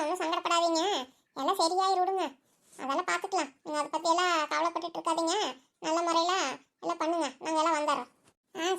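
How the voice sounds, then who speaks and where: A woman's voice: very high voice, a bit bright. A woman voicing all the characters of a village family cartoon in chatty, fussing banter. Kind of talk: cartoon voice acting.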